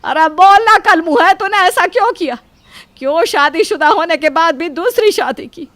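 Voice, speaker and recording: A woman's voice: extremely high pitch, animated, moderate pace, a bit bright, dry recording. A woman voicing characters in an audio story, speaking in a lamenting, scolding way. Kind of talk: dramatic storytelling dialogue.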